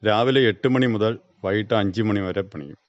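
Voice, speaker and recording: A man's voice: fairly low pitch, expressive, a little fast, no echo. A man with a Kerala accent, a farmer being interviewed, giving brief, plain, matter-of-fact answers. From Kerala, India. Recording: dull, band-limited dry radio recording.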